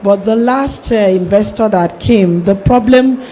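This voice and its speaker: Hesitant woman from Nigeria, mellow voice. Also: medium pitch, a little slow, slight background noise. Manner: hesitant, fillers. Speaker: audience member. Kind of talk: question from the floor.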